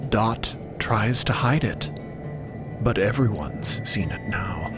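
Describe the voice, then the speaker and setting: A man narrates a drama slowly and deliberately. His intonation swings widely and expressively, with prominent music underneath. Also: lowish voice, animated. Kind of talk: dramatic scripted audio-fiction narration.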